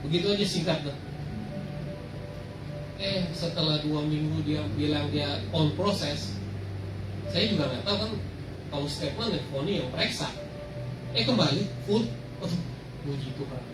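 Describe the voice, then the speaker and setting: A man's voice: on the high side, moderate pace, long pauses, loud music behind the voice. A man with an Indonesian accent giving a casual testimony in short, colloquial, repetitive phrases. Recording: echoey, noisy room, distant mic.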